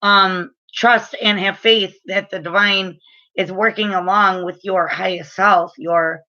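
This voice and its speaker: A woman's voice: medium pitch, fairly even intonation, a little slow, bright, forceful tone, highs cut off. A woman in her late thirties, a spiritual reader, giving frank, chatty advice to camera with lots of filler words. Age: late 30s. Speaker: spiritual reader and energy healer.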